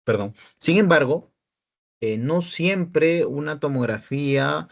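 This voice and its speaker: A man's voice: a little high, lively intonation, takes it slowly, gravelly, highs cut off. A young man giving a peer-tutoring radiology lecture, explaining cases and checking in often with his listeners. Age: young adult.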